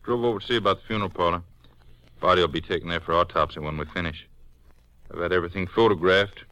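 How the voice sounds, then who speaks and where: An actor playing a down-to-earth small-town Texas sheriff in a 1950s radio western, folksy, clipped and plain-spoken. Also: male voice, low-pitched, fast talker, pushed and bright, low-quality recording. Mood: businesslike.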